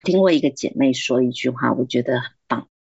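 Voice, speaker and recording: Low husky woman giving Christian advice. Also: fairly quick, darkish tone, no echo, highs cut off. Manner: earnest, encouraging, acts out quoted speech. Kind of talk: faith-based advice talk.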